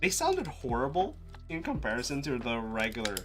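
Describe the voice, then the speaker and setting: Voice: mid-range voice, wildly swooping pitch, normal speed, over music. A live streamer casually thinking aloud, muttering to themself with restarts and sudden exclamations. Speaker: live streamer testing keyboards.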